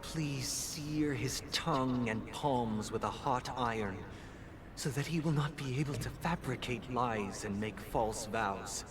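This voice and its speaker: An actor playing a grave male ritual interrogator, stern and ceremonial, with archaic, deliberate wording. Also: medium pitch, background noise, natural voice. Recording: game audio with music behind.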